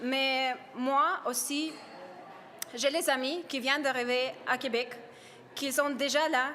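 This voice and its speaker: A woman with a Russian accent and a high, raised, projected voice, very slow with long, frequent pauses, fairly even intonation and audible room echo. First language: Russian (speaking French). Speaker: French-language student. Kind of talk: press conference statement. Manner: halting.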